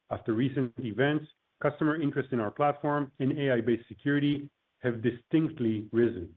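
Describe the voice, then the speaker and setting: Man on a tinny conference call line. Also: medium pitch. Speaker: company executive presenting on an earnings call. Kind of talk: prepared corporate remarks, read from a script.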